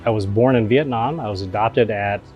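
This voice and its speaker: A man who grew up in Southern Oregon, a police officer and father, speaking earnestly and warmly in an interview. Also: fairly low pitch, normal speed, dull audio, faint music behind. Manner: earnest, friendly, with fillers. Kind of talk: recruitment video interview.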